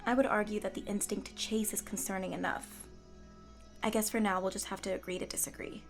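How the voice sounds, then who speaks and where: A woman playing a calm, principled townswoman who speaks in a measured, articulate way in an audio drama. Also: mid-range voice, soft background music, natural voice. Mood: gently conciliatory. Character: calm, principled female cryptid townsperson, gently persuasive. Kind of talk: naturalistic audio drama dialogue.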